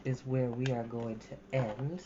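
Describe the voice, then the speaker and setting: A woman's voice: rumbling low, steady tone, a little slow, muffled recording, very noisy. A woman hosting storytime, reading expressively and chatting casually to listeners. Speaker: storytime host and reader.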